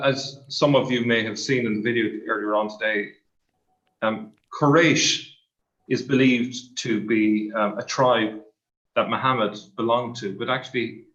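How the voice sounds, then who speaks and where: A man's voice: medium pitch, a bit bright. A man on a live online discussion panel who reads out viewer comments and answers them tentatively. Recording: slightly dull lo-fi mic.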